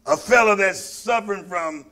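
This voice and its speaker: A man from Mississippi with a Southern African American English accent preaches a call-and-response sermon to his congregation. He's folksy and emphatic, repeating phrases for effect, in a high, sharp-toned voice at a normal speed.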